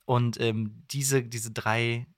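A man's voice: mid-range voice, level tone, extremely slow, no room sound, studio quality. A man, a voice actor as podcast guest, explaining things in casual, agreeable interview chat.

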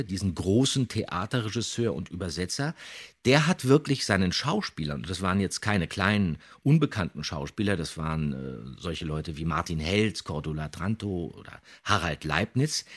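Male podcast host, middle-aged, husky, with swooping, expressive delivery and an emphatic explaining style. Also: lowish voice. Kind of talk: animated podcast discussion.

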